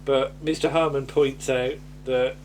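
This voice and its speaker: A man's voice: mid-range voice, flat delivery, measured pace, far from the mic, slight background noise. A British man co-hosting a podcast, casually recapping a TV comedy in a rambling, hesitant, amused way. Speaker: podcast co-host.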